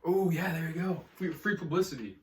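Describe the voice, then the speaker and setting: A young man co-hosts a podcast, joking and chatting casually with a friend and laughing often. His voice is on the high side and fairly quick. The room is echoey, with the mic at a distance.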